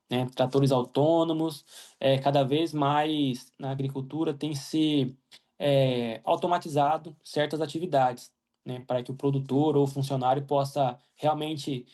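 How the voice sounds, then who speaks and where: A man's voice: a little high, darkish tone. A young Brazilian man from Mato Grosso, answering interview questions casually with lots of "né?" tags and restarts. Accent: Brazilian Portuguese. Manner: many fillers and "né?" tags, restarts. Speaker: guest, agronomist living in Ireland.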